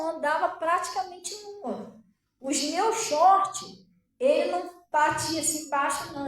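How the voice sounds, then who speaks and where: A woman pastor with a Brazilian Portuguese accent giving her testimony as a sermon, conversational and animated, often asking the congregation questions. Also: sits high. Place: church hall. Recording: echoey room, voice far from mic.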